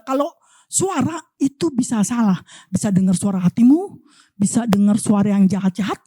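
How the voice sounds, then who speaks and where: High-voiced animated woman preacher. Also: dry recording, studio quality. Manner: animated, addresses congregation as "Saudara" constantly. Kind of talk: sermon. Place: church.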